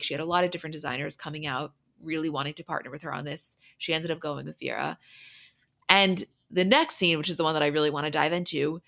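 Woman podcast host, kinda low voice, just chatting thru a recap like she's telling a friend what got said. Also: creaky, fairly bright tone. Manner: conversational, retells quoted dialogue scene by scene. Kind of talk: casual recap chat.

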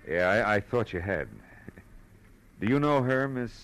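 Low-voiced hard-boiled private eye, old radio. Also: male voice, expressive, a little slow, a bit bright, slight background noise, low-quality recording. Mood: probing. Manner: terse, world-weary storytelling. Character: hard-boiled male Los Angeles private detective, wry and dogged. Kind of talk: 1940s radio acting, first-person noir narration. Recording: old radio drama with music bed.

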